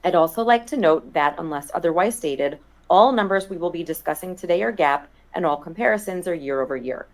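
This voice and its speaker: A woman's voice: on the low side, animated, fairly quick, hardly any pauses. A woman executive in investor relations, reading a formal scripted statement on an earnings conference call.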